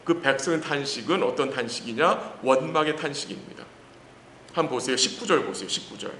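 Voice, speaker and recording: A man preaching a sermon as pastor, posing questions to the congregation and reading scripture slowly. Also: fairly high pitch, pushed and bright. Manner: asks the congregation rhetorical questions and answers them; reads scripture slowly and deliberately. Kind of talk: sermon at a midweek church service. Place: church sanctuary. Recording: roomy church hall with faint background noise.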